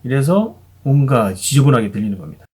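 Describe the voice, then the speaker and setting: A man's voice: medium pitch, animated, brisk, a little mellow, slightly rough. A man teaching English pronunciation in a patient, chatty video lesson, often checking in with the viewer. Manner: patient, chatty, frequent fillers and "그죠?" check-ins.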